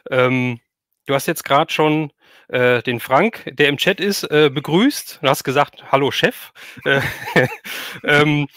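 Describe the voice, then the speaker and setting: Higher-voiced man hosting a casual livestream. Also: takes it slowly, fairly bright tone, dry recording, clean studio sound. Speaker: stream host interviewing a guest.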